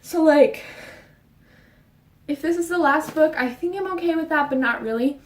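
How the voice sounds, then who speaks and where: Young woman, book vlogger, high voice, breathless, rambling quick chat, echoey room. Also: distant mic. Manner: fast, rambling, with fillers and restarts. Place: her bedroom. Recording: roomy sound, voice off-mic.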